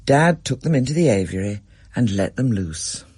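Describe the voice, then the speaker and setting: A man narrating a story in a measured, expressive reading. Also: mid-range voice, husky, no echo, clean studio sound.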